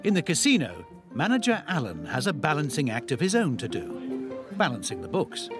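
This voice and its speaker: A man narrating a documentary in a measured, storytelling voice. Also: on the high side, huge pitch swings. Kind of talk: scripted narration. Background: music.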